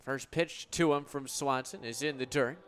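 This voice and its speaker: An American man in his twenties calls sports play-by-play for radio, his descriptions articulate and flowing. His medium-pitched voice is a bit bright with a clean tone at normal speed, and soft music plays in the background.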